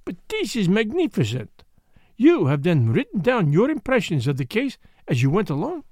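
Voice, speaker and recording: A man's voice: high voice, wildly swooping pitch, moderate pace, darkish tone, no echo, clean studio sound, full character voice. A man voicing an eccentric, vain but kindly older detective with a French accent, speaking in formal, courteous, emphatic phrases for an audiobook. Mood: excited, eager.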